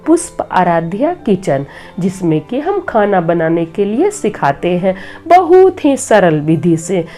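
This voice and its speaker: A middle-aged woman, slightly hoarse, earnestly telling a devotional story and giving moral advice as host of her channel. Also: mid-range voice. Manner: earnest, preachy, gently advising.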